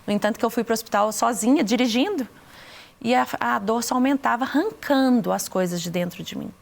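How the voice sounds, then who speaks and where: A middle-aged woman with a Brazilian Portuguese accent, telling her faith testimony to an interviewer, earnest and halting, often repeating words. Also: on the high side, creaky. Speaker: interview guest giving testimony.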